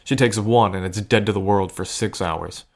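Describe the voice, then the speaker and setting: A man's voice: on the low side, moderate pace, natural voice. A man acting in an audio drama as a protective, wry cousin in a gambling scheme, talking in an earnest, conversational way. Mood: firm, persuasive. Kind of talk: scripted audio drama acting, addressed to the listener.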